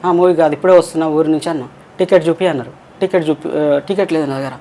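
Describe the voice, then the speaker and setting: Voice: mid-range voice, fairly even intonation, very fast, dark tone, slight background noise. A transgender interview guest with a Telangana Telugu accent, telling long rambling personal stories and acting out quoted voices. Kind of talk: casual storytelling.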